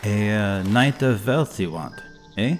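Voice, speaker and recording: A man's voice: lowish voice, lively intonation, slow pace, faint music behind. A man voicing a sly young male stranger who talks in a smirking, coaxing way. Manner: smirking, coaxing, quietly persuasive.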